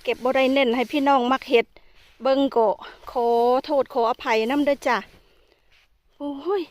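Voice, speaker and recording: A woman's voice: high-pitched, steady tone, normal speed. A woman with an Isan Thai accent chatting casually as she vlogs outdoors in a forest, exclaiming often. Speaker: vlogger. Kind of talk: casual vlog narration.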